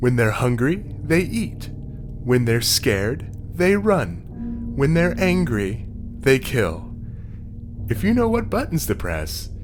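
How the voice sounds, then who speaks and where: A man speaking at a very slow pace, with music in the background. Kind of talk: horror story narration.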